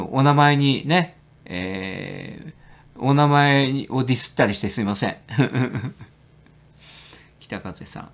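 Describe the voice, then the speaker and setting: A middle-aged man hosting a stock trading show, chatting casually, reading a listener's letter aloud, laughing often and stopping to look things up. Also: fairly high pitch. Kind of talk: casual solo talk answering a listener letter.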